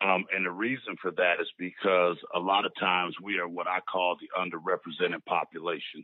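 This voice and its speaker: In an American accent, a man with a very deep, low pitch talks at a fairly quick pace. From US Midwest, Detroit west side. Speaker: leadership strategist and recovery coach. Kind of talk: interview testimony. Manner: animated.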